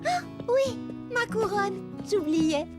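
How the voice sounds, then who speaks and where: A woman's voice: extremely high pitch, animated, slow, music in the background, heavily acted. A woman voicing a sweet, polite, cheerful little girl heroine in a children's cartoon. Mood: delighted. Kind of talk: French animated children's cartoon dialogue.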